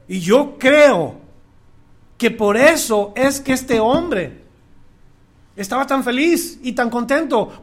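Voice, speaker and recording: A man preaching a sermon as pastor, calling out to the congregation and swinging from soft asides to loud, drawn-out declarations. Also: very high-pitched. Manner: draws out key words, swings from soft to loud.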